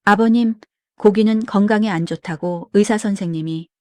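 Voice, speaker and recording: A woman's voice: mid-range voice, moderate pace, a little mellow, dry recording, clean studio sound, close to an everyday voice. A woman voicing an exhausted young wife who pleads and complains about her caregiving load, in a story read aloud. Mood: pleading.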